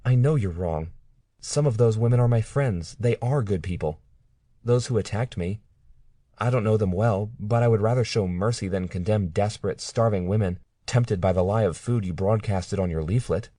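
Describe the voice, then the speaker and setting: A man raising his voice to play a young captive woman, defiant but frightened, who pleads in an earnest storybook tone. The voice sits higher than his own deep register and stays dry and close. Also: moderate pace, dark tone, husky, no echo. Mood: pleading. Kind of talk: audiobook character reading.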